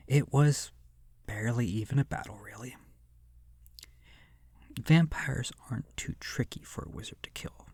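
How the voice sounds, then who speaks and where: Slow, creaky, seductive vampire, acted out by someone. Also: medium pitch, a little mellow, no room sound, clean studio sound. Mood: wistful, bitter. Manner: slow, breathy near-whisper, theatrical and menacing. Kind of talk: scripted horror audio roleplay, ASMR.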